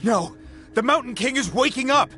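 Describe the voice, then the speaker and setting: A man's voice: very high voice, animated, moderate pace, sharp tone, soft background music, heavily acted. A man voicing a worried, protective tribal chief who pleads earnestly in a video game. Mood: pleading. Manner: earnest, alarmed.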